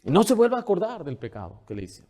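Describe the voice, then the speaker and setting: A man's voice: high voice, wildly swooping pitch. Emphatic male pastor preaching. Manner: emphatic preaching, asks and answers his own questions, slows to read scripture; swings from soft asides to loud, pressing exhortation. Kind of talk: sermon.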